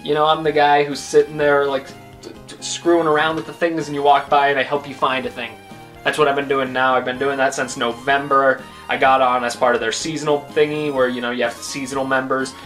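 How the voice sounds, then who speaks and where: A man's voice: mid-range voice, level tone, fairly quick, fairly bright tone, soft background music. A man in his twenties, the host of his own vlog, answering questions about himself in a joking, rambling way. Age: 20s. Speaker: YouTube host. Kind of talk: casual vlog Q&A.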